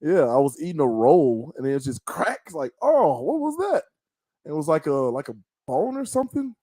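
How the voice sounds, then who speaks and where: A man hosting a casual interview over a call, playful and quick to laugh. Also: on the high side, big pitch swings, warm tone, dry recording, studio quality. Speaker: podcast host.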